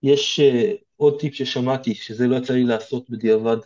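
A man's voice: mid-range voice, fairly even intonation, dark tone, highs cut off. A man with an Israeli accent giving informal, direct advice as an interview guest, explaining things conversationally.

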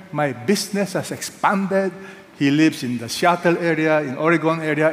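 A man's voice: on the high side, roomy sound, long reverb tail. An older man preaching a sermon as pastor, emphatic, repeating key phrases and asking the congregation questions.

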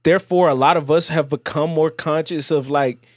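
A man's voice: a little high, steady tone, normal speed, no room sound, studio quality. A man with an African American accent talking casually, in a slangy, emphatic and opinionated way. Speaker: journalist in conversation. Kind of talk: casual candid conversation.

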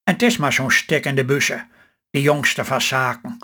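A man's voice: medium pitch, normal speed, pushed and bright. A man with a Stellingwerfs accent voicing a talkative, hopeful older farm wife in a read-aloud story. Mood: eager. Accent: Stellingwerfs Low Saxon.

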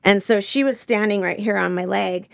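A woman giving a personal account in an interview. Her voice has a lot of vocal fry and sounds close and dry. She talks informally and haltingly, restarting phrases as she goes. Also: mid-range voice, steady tone, no echo. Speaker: interview guest.

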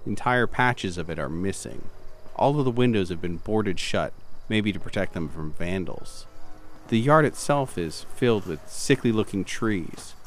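A man narrating an atmospheric horror roleplay as game master, in a deliberate, theatrical, descriptive manner. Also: lowish voice, slight background noise.

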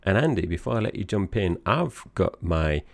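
A man's voice: sits low, sing-song, moderate pace, gravelly, dry recording. A man with an Essex accent co-hosting a podcast in casual, chatty talk, often correcting himself as he goes. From Essex, England. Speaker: podcast co-host. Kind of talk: casual conversational podcast chat.

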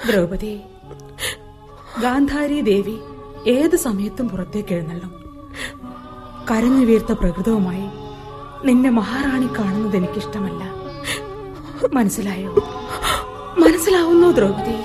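A woman's voice: mid-range voice, lively intonation, a little slow, pauses often, over music, close to an everyday voice. A woman with a Malayali accent, playing Kunti, a stern and proud royal queen mother, in a solemn, declamatory radio play delivery. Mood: scolding. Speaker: radio drama actor. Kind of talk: 1970s-style radio drama acting.

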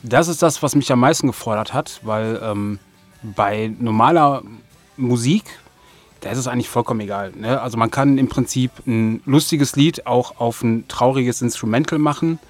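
A man giving casual, colloquial interview answers, often halting mid-sentence as he thinks. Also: medium pitch, soft background music. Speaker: interview guest, music producer of an audio drama.

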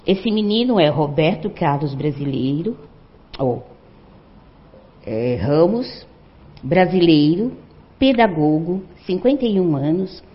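A woman's voice: low voice, slow, long pauses. Older woman telling a story. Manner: animated, conversational, frequent "né". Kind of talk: oral storytelling to an audience. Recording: muffled lo-fi recording.

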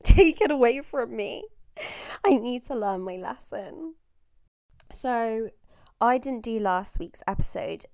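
A woman's voice: on the high side, animated, slow, pauses often, darkish tone, no room sound, studio quality. A young woman with an Australian accent hosting a casual solo podcast, chatty and self-mocking, swearing freely while getting over a chest infection. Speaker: podcast host.

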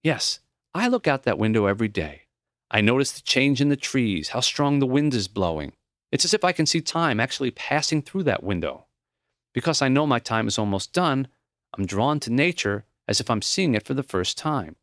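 A man reading the lines of a gentle, reflective old dying professor in a memoir audiobook, earnest and plain-spoken. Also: medium pitch, sing-song, normal speed, no room sound, studio quality, pitched above the performer's own voice. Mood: wistful.

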